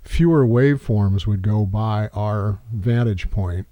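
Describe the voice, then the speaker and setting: A man's voice: fairly low pitch, takes it slowly, dry recording, muffled recording. A man in his sixties explaining sound waves in casual chat, rambling and repeating words as he works through an idea. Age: 60s.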